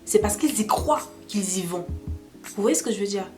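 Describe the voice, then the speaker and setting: A woman's voice: medium pitch, lively intonation, normal speed. Young woman vlogger with a head cold, earnest and conversational, music bed under her voice. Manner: earnest, repeats "d'accord?" to check in. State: has a cold, stuffy. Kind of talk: casual faith talk to camera. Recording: clear music in the background.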